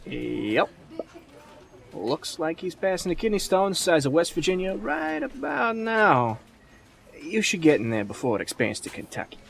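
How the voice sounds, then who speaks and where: An actor playing a teasing, wisecracking police colleague, sardonic and animated, in an audio drama. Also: male voice, high voice, moderate pace, vocal fry, full character voice. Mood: wry. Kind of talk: full-cast audio drama acting.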